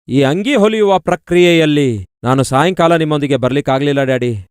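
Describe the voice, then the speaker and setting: A man's voice: on the high side, clean tone, dry recording, clean studio sound, natural voice. A man voicing a young daughter who pleads with her father, calling him dad again and again, in a sermon story. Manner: pleading, repeats the word for dad often.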